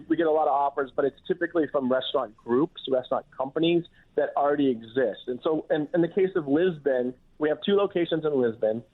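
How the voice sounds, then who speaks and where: A man who is a chef and restaurant owner, talking casually as a radio interview guest, with lots of restarts and "you know"s. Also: on the high side. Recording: tinny phone-line audio.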